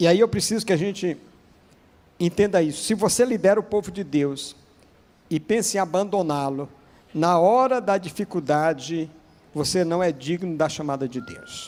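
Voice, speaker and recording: A man's high-pitched voice with ordinary pitch variation and long, frequent pauses. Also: moderate pace. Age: 60s. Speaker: pastor. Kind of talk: sermon.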